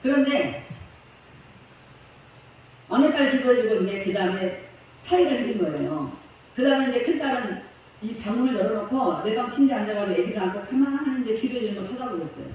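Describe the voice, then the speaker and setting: A woman's voice: a little high, expressive, fairly quick, pauses often, a little mellow, a little hiss or hum. A woman pastor telling a story in a sermon, in a chatty, colloquial way, laughing along with the congregation. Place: church sanctuary. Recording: echoey hall from far off.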